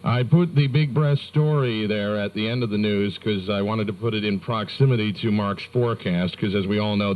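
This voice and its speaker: Man, American, radio news banter, wry asides, medium pitch, thin narrow-band aircheck. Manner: wry, joking asides between deadpan story reading. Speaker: morning radio host reading news and sports. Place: radio studio.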